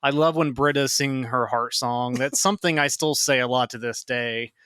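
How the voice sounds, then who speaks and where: A man who is a podcast guest, chatting casually and enthusiastically, with quick agreeing replies. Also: medium pitch, a bit bright, clear, resonant tone, no echo, studio quality. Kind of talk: casual chat.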